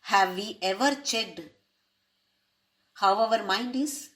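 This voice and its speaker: Speaking slowly in a medium-pitched, slightly bright voice, this woman is a spiritual teacher walking through a spiritual text. Rhetorical questions aimed at her listeners come up often, along with Sanskrit terms.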